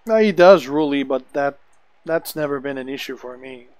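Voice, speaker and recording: A man's voice: mid-range voice, normal speed, no room sound. Laid-back French-accented man streaming. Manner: relaxed, chatty, chuckles often, mild cursing. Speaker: gaming live streamer. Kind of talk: casual live-stream chat answering viewers.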